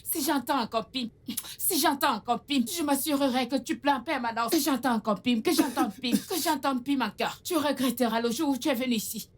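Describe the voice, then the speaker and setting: An actress playing a cruel, bitter aunt who scolds and threatens with insults. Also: female voice, high-pitched, brisk. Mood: scolding. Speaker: abusive aunt. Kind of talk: dubbed film drama.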